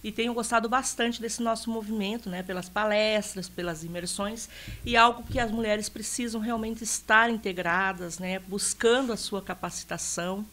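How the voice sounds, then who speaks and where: A woman's voice: medium pitch, steady tone, moderate pace, fairly bright tone. A Brazilian woman in her fifties, a sales consultant guest on a radio talk show, speaking earnestly and hesitantly with many fillers. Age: 50s. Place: radio studio.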